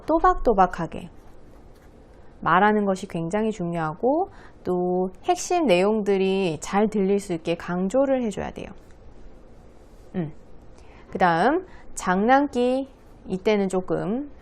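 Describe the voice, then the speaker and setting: A woman's voice: mid-range voice, a little mellow. A woman speech coach giving a patient, friendly lesson to schoolchildren, writing on a board as she talks. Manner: friendly, patient teacher voice addressing children.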